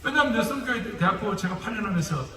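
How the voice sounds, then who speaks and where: Expressive and fast, a high-pitched male pastor with a Gyeongsang dialect preaches in a lecture style, joking and throwing rhetorical questions at the crowd. An echoey hall, a distant mic and background noise shape the sound.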